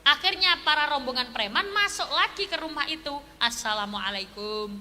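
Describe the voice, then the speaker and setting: A woman preacher with a very high, bright, sharp voice tells a story in her sermon. She acts out its dialogue in animated voices. Her words ring through a large echoing hall. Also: a little fast. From Indonesia. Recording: echoey hall with faint noise.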